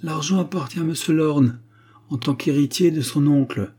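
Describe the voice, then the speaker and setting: A man's voice: mid-range voice, animated, moderate pace, slightly rough, voice pushed up. Man voicing bold young gypsy woman. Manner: firm, sharp-tongued.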